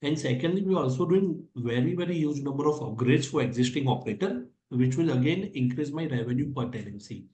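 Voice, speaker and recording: A man's voice: mid-range voice, lively intonation, quick pace, hardly any pauses, dark tone. A man with an Indian accent, a company executive answering analyst questions on an earnings call in an explanatory way, repeating his points. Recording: echoey conference call audio.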